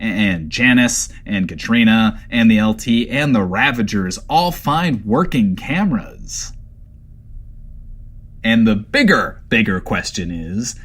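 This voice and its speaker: A man's voice: mid-range voice, a bit bright, heavily acted. A man playing a flirty, self-admiring host of a post-apocalyptic radio show, theatrical and rambling, in a comedic audio drama. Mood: grandiose.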